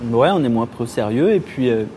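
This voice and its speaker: A man talks casually and haltingly, his voice at an ordinary middle pitch for a man, searching for words as he goes. Clear background noise runs under the recording. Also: animated, mellow. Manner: hesitant, full of pauses and restarts. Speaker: comedian guest. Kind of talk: casual conversation.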